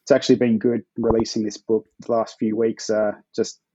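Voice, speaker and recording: Muffled, mellow Australian man, low and husky. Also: flat delivery, brisk, slight background noise. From Perth, Australia. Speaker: podcast guest, author. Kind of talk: casual, low-key interview chat.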